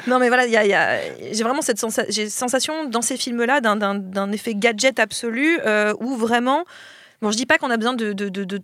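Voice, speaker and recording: A woman's voice: on the high side, brisk, fairly bright tone, no echo. A woman chatting casually as a film podcast panelist, hesitant, with many fillers and restarts. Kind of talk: casual chat.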